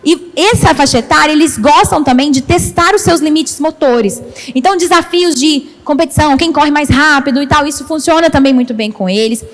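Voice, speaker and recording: A woman pastor from Rio de Janeiro giving a lively training talk to children's ministry teachers in a church hall, acting out little scenes. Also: fairly quick. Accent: Brazilian Portuguese, Rio de Janeiro. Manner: lively, animated, acts out child-teacher dialogue in a high sing-song voice.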